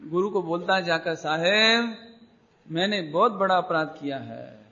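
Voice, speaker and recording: A man delivers a religious discourse in a strikingly high, bright and cutting voice. He teaches by prodding his audience with questions and slipping into little acted-out quotes of ordinary people. The recording is muffled and lo-fi. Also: unhurried. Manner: keeps quizzing the audience with rhetorical questions; acts out everyday people in quoted asides. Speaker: spiritual teacher.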